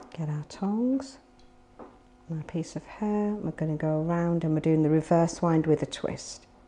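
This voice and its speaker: A fairly slow pace, a dark, mellow tone and ordinary pitch variation. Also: woman, fairly low pitch for a woman. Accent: British. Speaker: hairstylist. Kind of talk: hair styling tutorial.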